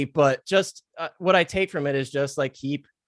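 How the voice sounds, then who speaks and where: Fairly high in pitch with ordinary variation, a man's voice comes through dry and close with no echo. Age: 20s. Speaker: live stream co-host, collectibles YouTuber. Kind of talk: casual chat.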